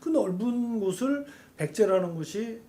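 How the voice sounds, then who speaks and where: A man who is a campaign spokesman, a guest on a live web talk show, telling long stories about history with lively enthusiasm. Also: high-pitched, unhurried. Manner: animated storytelling, talks through history at length. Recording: faint background noise, live stream.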